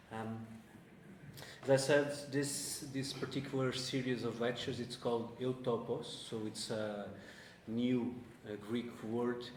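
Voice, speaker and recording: In a Portuguese accent, a man speaks slowly-ish at a fairly slow pace with a medium pitch and monotone, flat intonation, with noticeable background noise and audible room echo. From Portugal. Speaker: event host. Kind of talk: introduction of a lecture. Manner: halting.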